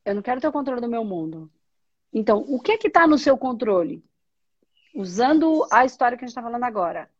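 A woman with a fairly high, sing-song voice speaks quickly in a spiritual conversation, and the audio sounds dull. She's a spiritual teacher reflecting on spirituality, often posing questions and then answering them herself.

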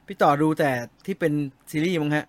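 A man's voice: fairly high pitch, fairly even intonation, brisk. A man co-hosting a casual chat about novels and cartoons, polite and easygoing, reading out listener messages. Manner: polite and easygoing, ends sentences with soft courtesy particles.

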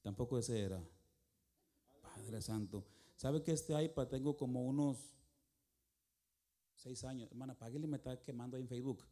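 Folksy, joking preacher, mellow voice. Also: male voice, mid-range voice, moderate pace, pauses often, soft background music. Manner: folksy, joking, calls listeners "hermano". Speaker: traveling worship singer and preacher. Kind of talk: sermon. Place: church.

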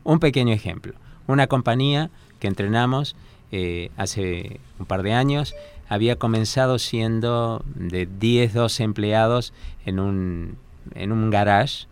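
Smooth low-voiced male guest. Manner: measured, explanatory. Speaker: guest coach. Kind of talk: radio interview. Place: radio studio.

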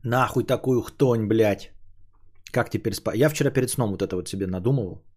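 A man's voice: fairly low pitch, fairly quick. Musing man in his thirties, cursing. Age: 30s. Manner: musing aloud, swearing, drifts between lively and quiet. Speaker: podcast host. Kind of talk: rambling solo monologue.

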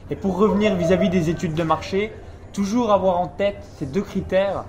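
Man, high voice, interview host, coaching tone, explains figures. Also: moderate pace, a crowd in the background. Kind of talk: casual business interview. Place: seminar venue.

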